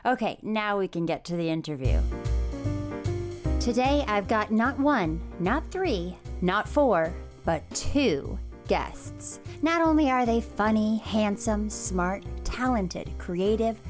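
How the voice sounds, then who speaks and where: A woman's voice: mid-range voice, expressive, slow, soft background music. A woman in her thirties hosting a podcast, teasing her guests and laughing often in casual chat. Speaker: podcast host.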